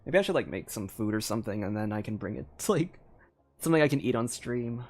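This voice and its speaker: A casual, expressive streamer reacting live to a game. The voice is medium in pitch and highly animated, rising and falling freely. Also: quick pace.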